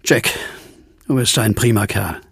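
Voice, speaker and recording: Henry, husky, troubled, earnest man. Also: lowish voice, unhurried, fairly bright tone, dry recording, studio quality, exaggerated voice. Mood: warm, resolute. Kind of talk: German audio drama acting.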